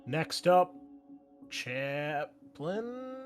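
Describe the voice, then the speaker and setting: A man's voice: fairly high pitch, big pitch swings, extremely slow, soft background music. A man running a tabletop game as game master, informal and thinking aloud as he narrates and checks rules.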